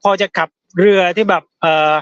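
A man's voice: normal speed, fairly bright tone, no room sound, highs cut off. A man reporting by live call on a flood, urgently appealing for boats and trailers. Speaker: field reporter. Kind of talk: live phone-in news talk.

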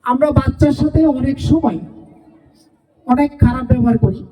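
High-voiced woman addressing parents. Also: moderate pace, warm tone. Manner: asks the audience rhetorical questions, repeats phrases. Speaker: school teacher addressing parents. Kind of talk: farewell speech at a school event. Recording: distant voice from far off.

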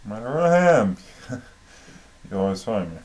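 A man's voice: on the low side, very animated, normal speed, a little mellow. An actor playing a flustered, weary man who stammers and answers with dry sarcasm.

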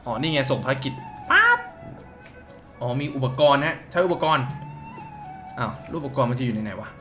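A man's voice: mid-range voice, lively intonation, moderate pace, sharp tone, soft background music. A man giving casual, crude and joking commentary while playing a mobile game, reading its dialogue aloud. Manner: crude, profane, joking banter. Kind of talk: casual let's-play commentary.

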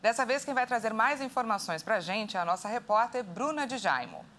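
A woman's voice: a little high, expressive, brisk, fairly bright tone, a little hiss or hum. A Brazilian woman, around her thirties, presenting live television news as an anchor. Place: TV studio with large windows. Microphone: lapel.

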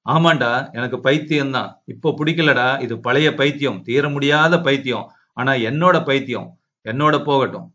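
Brief: man voicing an anguished old grandmother, seventy, firm and pleading; mid pitch, dull lo-fi audio. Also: moderate pace, natural voice. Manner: lamenting, pleading, sharp rebukes.

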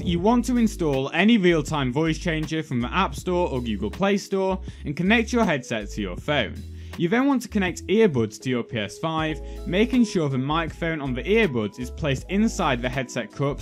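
A young man hosting a tutorial video, reading a scripted how-to guide in clear, step-by-step instructions. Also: a little high, very animated, normal speed. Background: background music.

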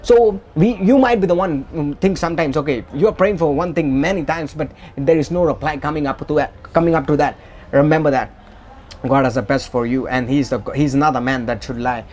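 A man hosting a Christian show, speaking earnestly and haltingly with many restarts. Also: fairly high pitch, a little mellow, a little hiss or hum. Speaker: host. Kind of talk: casual Christian encouragement.

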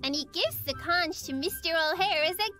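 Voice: extremely high pitch, moderate pace. A performer voicing a small, sweet, curious female rabbit in a children's cartoon, childlike and wide-eyed. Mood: gentle storytelling. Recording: prominent children's music behind voice.

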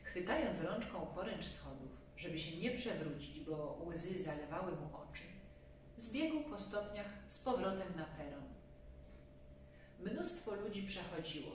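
Low-voiced woman storyteller in echoey room. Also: lively intonation, unhurried. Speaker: storybook reader. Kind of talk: children's storybook narration. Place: small room at home, seated on a sofa. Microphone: distant camera microphone. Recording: very echoey room, distant mic, faint hum.

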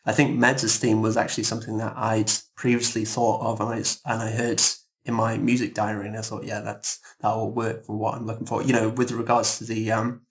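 A man speaking casually as a composer guest in a roundtable interview, explaining things in a halting, thoughtful, rambling way. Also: lowish voice, flat delivery.

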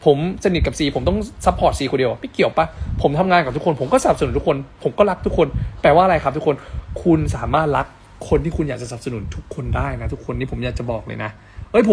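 A man's voice: a little high, a little hiss or hum. A man hosting a casual live stream on a phone mic, reading fan comments aloud and chatting affectionately with fans. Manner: spells letters out slowly.

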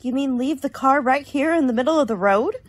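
A woman's voice: high voice, expressive, a little fast, no echo. A woman playing a sarcastic, complaining young college student in a radio play. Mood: exasperated, complaining. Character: grumbling, wisecracking young female college student.

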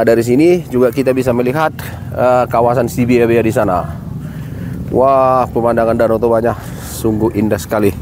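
A man's voice: mid-range voice, a little mellow, slight background noise. Friendly middle-aged man vlogging outdoors. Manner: friendly, unhurried, exclaims at the views. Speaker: travel vlogger. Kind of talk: casual travel vlog narration. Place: outdoors by a lake. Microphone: phone at arm's length.

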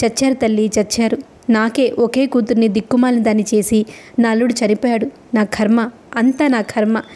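A woman's voice: fairly high pitch, steady tone, normal speed, dark tone, natural voice. A woman voicing a lamenting middle-aged mother. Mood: wailing. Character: wailing middle-aged mother whose daughter is widowed.

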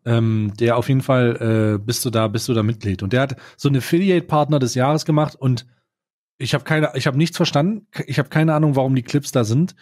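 A man chatting on a podcast with ironic, mock-formal phrasing. His pitch is ordinary middle range. He talks casually and at length. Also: brisk, darkish tone, no room sound, studio quality. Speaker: podcast co-host. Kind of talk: casual chat.

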